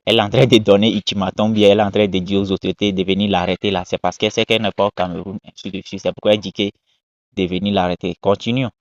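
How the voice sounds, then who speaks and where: Homme à la voix grave, commentaire moralisateur et insistant, son terne et sec. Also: male voice, fairly low pitch, little pitch movement, rapid-fire, no room sound. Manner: emphatic, repetitive, moralizing. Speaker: commentator reacting to viral videos. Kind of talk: casual spoken commentary. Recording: dull lo-fi dry sound.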